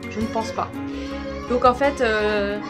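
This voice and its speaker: A woman's voice: on the high side, slow. Rambling woman vlogger, music behind. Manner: rambling, self-interrupting. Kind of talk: casual chat to followers. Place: at home, kitchen.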